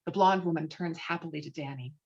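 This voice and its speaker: A woman's voice: sits low, quick pace, creaky, breathy edge, muffled recording. A woman reading stage directions as scripted narration for a virtual table read, recorded over an online call. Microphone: online call microphone.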